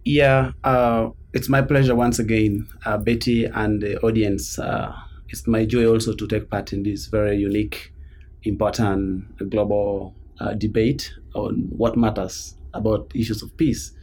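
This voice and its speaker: Gravelly man, earnest. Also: fairly low pitch, level tone, a little slow, darkish tone. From northern Uganda. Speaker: guest, peace activist. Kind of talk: interview answers.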